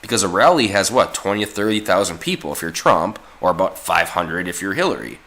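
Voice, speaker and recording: A man hoarse from a cold giving opinionated, informal political commentary in an emphatic, repetitive way. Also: low-pitched, animated, a little fast, bright, forceful tone.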